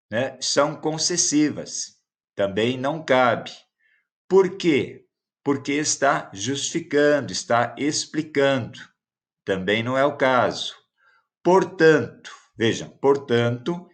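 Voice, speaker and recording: A man teaching a lesson, explaining exam questions step by step with frequent checking questions. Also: medium pitch. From Brazil. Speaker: Portuguese teacher.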